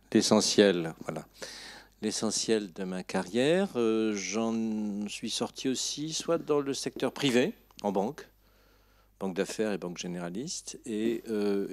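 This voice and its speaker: A man on an exam jury introducing himself formally, in a measured way as he lists his career posts. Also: sits low, slight background noise. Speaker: jury assessor.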